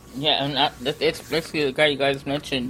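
Noticeable background noise sits under a man's voice. His pitch is medium and his intonation monotone and flat. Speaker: sports podcast co-host. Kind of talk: casual sports podcast chat.

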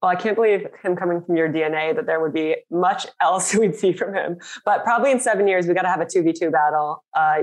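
In an ordinary speaking voice, a woman with a fairly low pitch talks at a fairly quick pace with hardly any pauses, ordinary pitch variation, and very even loudness. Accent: American. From New Jersey. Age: 30s. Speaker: podcast host. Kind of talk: casual interview.

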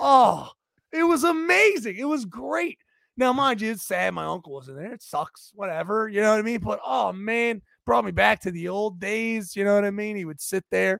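A man at a high pitch with very wide pitch swings, on a very clean recording with a silent background. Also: moderate pace, big swings in loudness. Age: 30s. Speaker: comedy podcast host. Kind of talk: casual chat.

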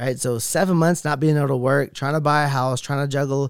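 With a normal speaking voice, a man talks at a fairly quick pace, at a fairly high pitch and with fairly even intonation. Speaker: life insurance agent. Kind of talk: casual interview. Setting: studio. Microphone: good mic.

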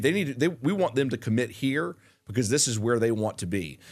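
A man speaks at a fairly quick pace with an American accent. He has an ordinary speaking voice at a medium pitch. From Florida. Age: 40s. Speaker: NIL collective director. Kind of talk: casual chat. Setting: studio.

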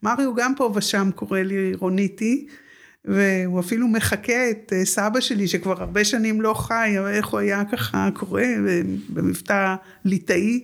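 A woman's medium-pitched voice, fairly slow and fairly even in intonation, very even in loudness, on a very clean recording with a silent background. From Israel. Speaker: community resident interviewee. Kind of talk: casual interview. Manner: halting, with fillers.

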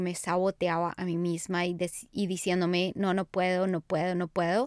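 A woman with a Colombian accent at a fairly quick pace, monotone and flat, in a very clean, silent recording with a dry, close sound and no echo. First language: Spanish. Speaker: podcast host. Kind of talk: casual solo monologue.

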